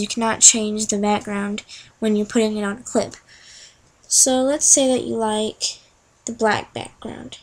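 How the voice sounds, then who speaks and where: A young woman chatting through each click in a casual screen-recorded software tutorial. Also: a little high, poor audio. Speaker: tutorial narrator.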